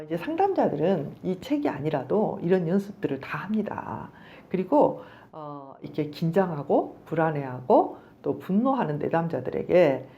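Lively middle-aged woman lecturing on psychology. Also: deep voice, lo-fi sound. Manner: expressive, acts out little dialogues in different voices; explains patiently with many rhetorical questions. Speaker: psychology counseling professor. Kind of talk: lecture to camera.

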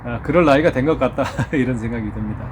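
A middle-aged man hosting his orchid channel, speaking casually to subscribers with a slightly hoarse throat, talking through a face mask, full of fillers and little self-joking laughs. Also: mid-range voice, quick pace, background noise. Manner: chatty, self-joking, many fillers and restarts. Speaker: orchid-growing channel host. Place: indoor studio. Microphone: wearing a face mask.

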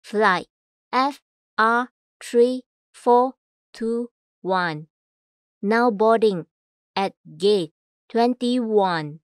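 A woman reading scripted voice-over in a measured, clearly enunciated way. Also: a little high, no room sound, studio quality. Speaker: voice actor. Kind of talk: voice-over demo reading of commercials, narration and announcements.

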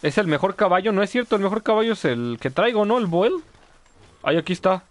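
A man's voice: sits high, lively intonation, fairly quick, no room sound. A man commenting live on his gameplay, chatting with viewers and yelping at mishaps. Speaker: gaming streamer.

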